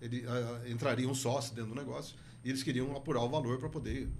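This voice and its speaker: Vocal fry runs through a man's speech, with audible room echo around it. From Brazil, São José do Rio Preto (interior of São Paulo state). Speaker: business consultant and professor. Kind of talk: podcast interview. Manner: halting, repeats words.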